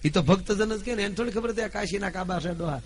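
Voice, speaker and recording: A man, telling folk stories at a live gathering, declaiming loudly at his peaks and then dropping to a low, confiding tone. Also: fast talker, slight background noise. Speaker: folk storyteller. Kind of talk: live folk storytelling (dayro).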